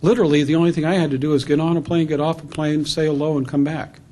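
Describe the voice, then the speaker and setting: A man's voice: on the high side, fairly even intonation, fast, mellow. A man introducing the guest speaker at a business luncheon, praising him with enthusiasm. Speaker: event presenter introducing the speaker. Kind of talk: formal introduction. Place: luncheon event room.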